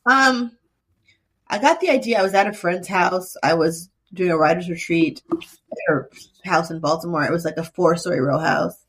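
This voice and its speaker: Woman, 40s, guest author; husky, lowish voice; loose, filler-heavy chat. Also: normal speed, a bit bright, low-quality recording. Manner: chatty, many fillers and restarts. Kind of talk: casual interview chat.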